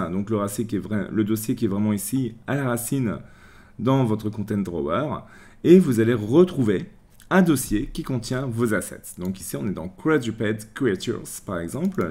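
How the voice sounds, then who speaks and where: A man from France hosting a screen-recorded software tutorial, chatty, with many restarts, walking through each click. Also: fairly low pitch, animated, normal speed. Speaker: tutorial host.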